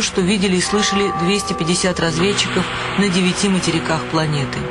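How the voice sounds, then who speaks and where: A man reading scripted literary narration in a radio play. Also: sits high. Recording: clear music behind the voice. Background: music.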